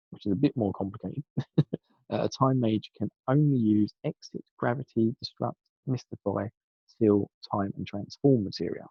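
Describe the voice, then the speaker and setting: A man talks casually with a rough, husky voice that comes from a sore throat, wandering and correcting himself as he goes. His voice sits low and gravelly. The recording is dull and dry, like a lo-fi home mic. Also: no echo. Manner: chatty, rambling, self-correcting. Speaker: podcast guest segment presenter. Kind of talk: casual pre-recorded segment.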